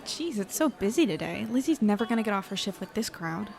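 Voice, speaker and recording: A woman's voice: medium pitch, very animated, brisk, vocal fry, a little mellow, soft background music. An actress playing a caring, curious young woman chatting with friends in an audio drama, casual and a little hesitant. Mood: concerned, curious. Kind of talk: acted dialogue in an audio drama podcast.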